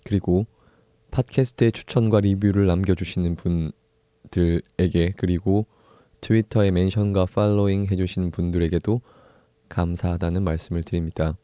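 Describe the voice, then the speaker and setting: A young man with a low, deeply mellow voice hosts a solo book podcast. He talks in an unhurried, soft-spoken way, pausing often and laughing lightly now and then. The sound is close and completely dry. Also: fairly even intonation, no room sound. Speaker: podcast host.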